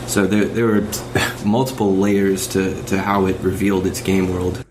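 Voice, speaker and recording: A man's voice: low-pitched, little pitch movement, moderate pace, background noise. A man speaking as a panelist in a casual podcast discussion about retro games, recorded over voice chat.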